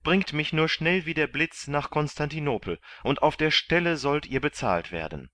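A man voicing an earnest, excitable young hero who pleads eagerly in a raised voice in a storybook reading. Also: on the low side, a little slow. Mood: eager, excited.

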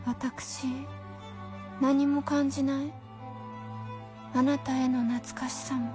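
An actress voicing a wife revived by an artificial heart, speaking flat and detached in a radio drama. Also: female voice, sits high, slow pace. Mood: numb. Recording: dry studio sound with faint music.

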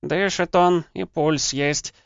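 A man voicing a feisty elderly woman neighbor who grumbles in a creaky, drawn-out way. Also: low-pitched, steady tone, no room sound, highs cut off, voice pushed up, full character voice. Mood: grumbling. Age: older.

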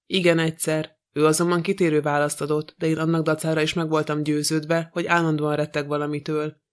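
A man's voice: on the high side, level tone, natural voice. A man voicing a shaken widow giving hesitant, subdued testimony to a judge in an audiobook. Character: shaken widow of a murdered millionaire.

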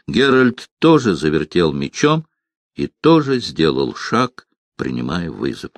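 Low-voiced, unhurried male storyteller. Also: no room sound. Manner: measured, expressive storytelling. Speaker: audiobook narrator. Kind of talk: scripted fantasy narration.

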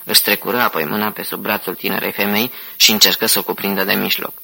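A man narrating an audiobook in a steady, even storytelling manner. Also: on the low side, gravelly, breathy edge, low-quality recording.

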